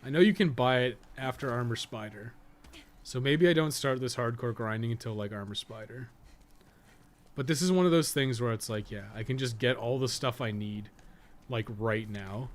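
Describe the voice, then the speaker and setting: A man with a mid-range voice talks at normal speed, offering casual, rambling game stream commentary that's jokey and sometimes profane. He co-hosts a podcast and makes game guides. The background is clearly noisy.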